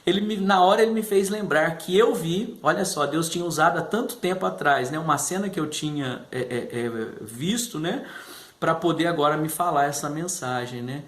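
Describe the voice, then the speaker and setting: A man, a pastor telling his personal testimony in an animated storytelling way, acting out the voices he quotes and often adding "né". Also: a little high, normal speed, roomy sound.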